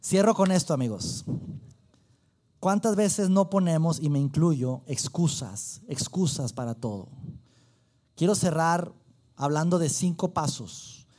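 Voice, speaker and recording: A man's voice: a little high, expressive, unhurried, darkish tone. A man with a Mexican accent preaching a sermon, telling a personal story with emphatic repetition. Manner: emphatic, repeats words for stress.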